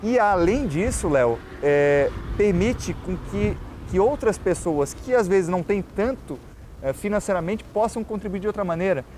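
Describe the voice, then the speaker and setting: With a high, slightly mellow voice and lively intonation, a tour guide and journalist from Florianópolis, Brazil, speaks at a moderate pace in his local manezinho accent. He earnestly explains his views in a casual interview, using the host's name, over a faint hiss or hum.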